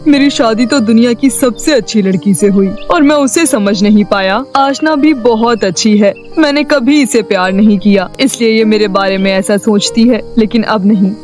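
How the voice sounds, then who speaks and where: A repentant husband and stepfather, acted by a man. He is earnest and regretful, in animated moral-tale style. Music plays behind him. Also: high-pitched, moderate pace, few pauses, close to an everyday voice. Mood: remorseful. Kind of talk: animated Hindi moral story voice acting.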